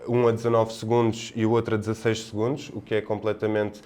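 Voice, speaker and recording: Man, European Portuguese accent, lowish clean smooth voice, podcast panelist, casual sports analysis, halting and discursive. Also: monotone, darkish tone.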